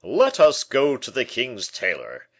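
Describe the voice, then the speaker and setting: Male reader doing a loud, high, pompous nobleman for an audiobook; hot-tempered, boastful. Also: wildly swooping pitch, a little slow, heavily acted. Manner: pompous, indignant, loud outbursts. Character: vain blustering middle-aged nobleman, hot-tempered. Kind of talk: audiobook character voice.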